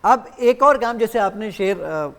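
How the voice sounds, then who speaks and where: High-voiced man demoing an app. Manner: animated explainer who acts out exchanges with the app. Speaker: guest app developer. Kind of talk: live demonstration on a TV show.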